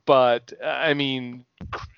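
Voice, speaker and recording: A man's voice: mid-range voice, flat delivery, slow, vocal fry, smooth, no room sound, lo-fi sound. A man in casual podcast chat, emphatic and teasing, swearing freely as he argues a point. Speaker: podcast co-host.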